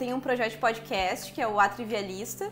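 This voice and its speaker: Music plays behind the speaker. The delivery is moderately paced, with ordinary pitch variation. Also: woman. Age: 20s. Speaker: history researcher. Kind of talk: personal testimony.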